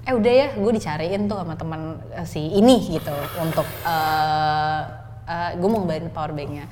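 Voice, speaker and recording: A woman telling a personal story in casual chat, animated and often laughing as she talks. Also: sits low, normal speed. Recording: long reverb, faint noise.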